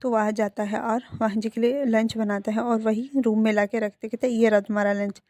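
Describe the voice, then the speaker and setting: A woman's voice: on the high side, flat delivery, fairly quick, warm tone, dry recording. A woman narrating a fan-fiction story in a casual, conversational way with filler phrases.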